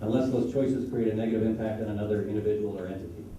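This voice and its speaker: A man with an American accent talks at a very fast pace and a medium pitch with fairly even intonation, amid audible room echo and noticeable background noise. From Minnesota, US. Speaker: political candidate. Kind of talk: political speech.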